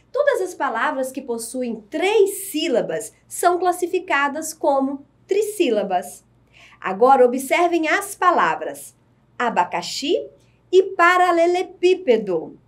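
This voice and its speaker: A woman teacher giving a recorded lesson to adult learners, explaining slowly and clearly. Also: high voice, very animated. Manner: slow, clear, deliberate explaining.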